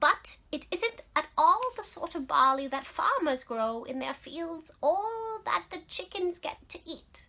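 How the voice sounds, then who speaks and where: A put-on character voice comes through at a fairly slow pace. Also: female-sounding voice. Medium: read story.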